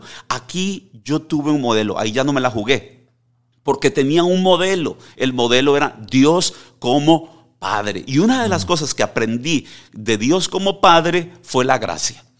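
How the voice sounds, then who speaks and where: Lively intonation marks this man's fairly high voice with a Costa Rican accent. He speaks at a fairly slow pace. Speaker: guest, father of the host, mentor. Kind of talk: casual conversation. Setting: home.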